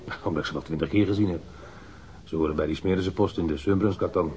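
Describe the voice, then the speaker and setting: An actor playing a defensive, rough-mouthed street robber under police questioning in a radio crime drama, slangy and halting. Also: male voice, low-pitched, steady tone, a little mellow, natural voice. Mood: grudging, wary. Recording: dull lo-fi radio drama recording.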